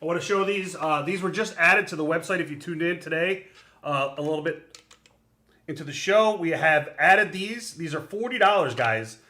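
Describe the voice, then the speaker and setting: A man hosting a live autograph stream, pitching items to viewers with upbeat salesman patter. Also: normal speed, sharp tone, reverberant. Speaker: host of a signing stream.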